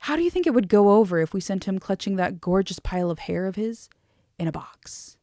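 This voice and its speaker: A woman's voice: medium pitch, expressive, a little fast, warm tone, dry recording, lightly acted. A woman voicing a wry male wizard in a story, with dry, teasing, informal banter.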